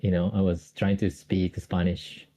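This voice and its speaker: A man's voice: sits low, flat delivery, a little slow, dark tone. A Japanese man speaking English with a Japanese accent, explaining grammar on a call, hesitant with many fillers and restarts. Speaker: Japanese tutor.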